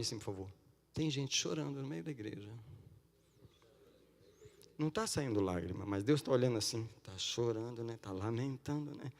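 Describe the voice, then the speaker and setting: Male pastor, mid-pitched voice, fervent sermon swinging loud to hushed, long church reverb. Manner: impassioned, swinging from loud cries to hushed pleading. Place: church sanctuary.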